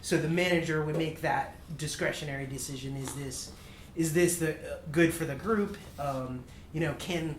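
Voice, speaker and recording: Discussion participant, mid pitch, thoughtful and halting, roomy sound. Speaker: workshop participant. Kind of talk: roundtable discussion. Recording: echoey room with faint noise.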